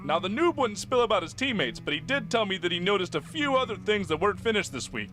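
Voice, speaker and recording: A man voicing a gruff, bossy team leader in an animated comedy, threatening and preachy. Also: high voice, fast talker, soft background music, low-quality recording. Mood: menacing, exasperated.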